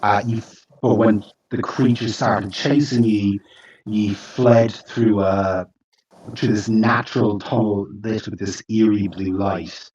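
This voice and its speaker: A man narrating a tabletop game as game master, speaking slowly with many pauses and restarts. His voice is fairly low and comes across a little distant on a dull, lo-fi recording. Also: steady tone, darkish tone. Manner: halting, with many fillers and restarts.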